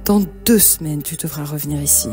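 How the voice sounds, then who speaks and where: A woman's voice: deep voice, brisk, warm tone, natural voice. A woman voicing a stern sea witch in a cartoon fairy tale, cautioning and commanding. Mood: insistent. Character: stern, warning sea witch granting a wish. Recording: music behind the voice.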